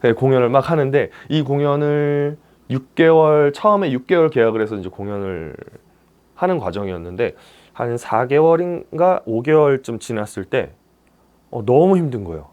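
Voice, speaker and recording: A man's voice: medium pitch, normal speed, clear, resonant tone, phone-quality sound. A male stage actor giving a career talk to young people, telling his story and acting out the dialogue. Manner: animated storytelling, acts out dialogue.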